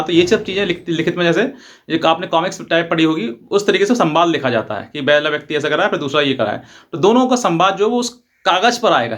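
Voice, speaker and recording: A man's voice: fairly high pitch, a bit bright. A man, an advocate, gives an informal, repetitive explainer and mixes in English legal terms. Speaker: advocate presenting legal advice videos.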